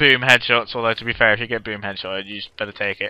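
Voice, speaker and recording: A man with an English accent and a bright, sharp tone, dry and close with no echo, in a very clean recording with a silent background. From England. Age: 20s. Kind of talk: gameplay commentary. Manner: casual, hesitant.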